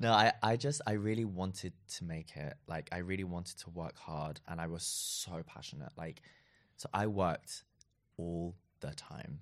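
In a London accent, a man talks at a moderate pace with a very deep, low pitch and ordinary pitch variation. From London (Shoreditch), England. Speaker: beauty influencer and content creator. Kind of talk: casual interview chat.

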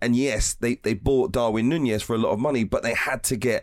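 On a very clean recording with a silent background, a man speaks in a normal speaking voice at medium pitch. His pace is fairly quick, with ordinary pitch variation. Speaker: football podcast host. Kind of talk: casual chat.

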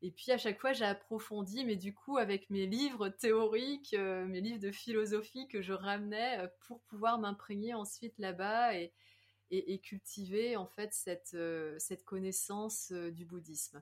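Fairly slow delivery from a woman with an ordinary speaking voice, a medium pitch and ordinary pitch variation. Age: 30s. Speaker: explorer and writer. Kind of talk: interview.

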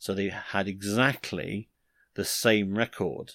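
In a British accent, a man speaks at a very slow pace with a fairly low pitch. The recording is very clean, with a silent background and a dry, close sound with no echo. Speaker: TV producer and podcast host. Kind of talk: casual chat.

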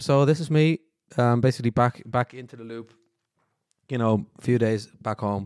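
A man varies his pitch in an ordinary way while talking at a moderate speed. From Ireland, long resident in Germany. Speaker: podcast host. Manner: casual, rambling with filler words.

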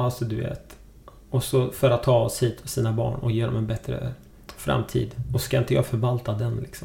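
In an unremarkable speaking voice, a man talks at a medium pitch. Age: 40s. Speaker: youth worker. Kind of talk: casual interview chat.

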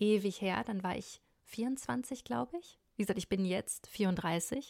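In a very clean recording with a silent background and a dry, close sound with no echo, a woman with an unremarkable speaking voice talks at a medium pitch with lively intonation. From Germany, Ostwestfalen near Bielefeld. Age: 30s. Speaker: TV journalist and presenter. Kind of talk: podcast interview, casual.

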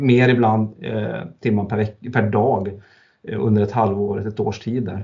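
A man is speaking. His pace is moderate. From Sweden, Trollhättan. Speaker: sports scientist. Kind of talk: interview. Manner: halting.

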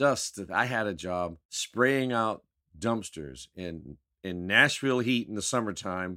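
In an American accent, the speaker uses a bright, sharp tone with very wide pitch swings, recorded very cleanly against a silent background. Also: man. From Maryland, US. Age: 60s. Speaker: radio show host and musician. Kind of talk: personal reflective monologue. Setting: on the road, away from studio. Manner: halting, with repetitions.

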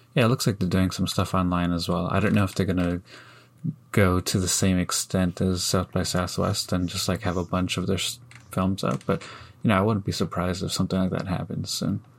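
The man's voice is very deep and low in pitch. He talks at a fairly quick pace with fairly even intonation. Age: 20s. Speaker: filmmaker and podcast co-host. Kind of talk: casual chat.

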